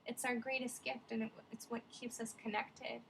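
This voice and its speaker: Gravelly-voiced woman rambling reflectively. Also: a little high, moderate pace, slight background noise, low-quality recording. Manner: rambling and digressive, many fillers, animated. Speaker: vlogger. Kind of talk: casual reflective commentary.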